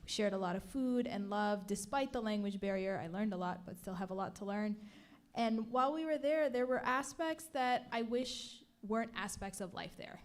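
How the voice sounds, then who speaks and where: Earnest woman speaking on a panel. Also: medium pitch. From Palestinian. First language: Arabic. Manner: earnest, measured, with frequent fillers. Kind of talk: prepared panel talk.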